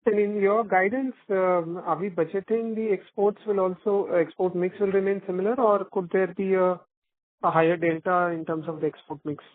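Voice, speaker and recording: A man's voice: sits high, fairly even intonation, normal speed, no room sound. A man working as an analyst, asking polite, probing questions on an earnings call. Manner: polite, probing, says sir. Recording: tinny phone line.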